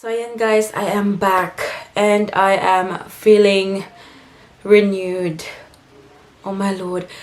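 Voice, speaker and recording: Chatty Filipina vlogger in an echoey room. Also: female voice, mid-range voice, a little mellow. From Philippines. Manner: chatty, mixes English into Tagalog, laughs while telling stories. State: slightly congested from a cold. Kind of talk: casual vlog chat. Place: home, indoors.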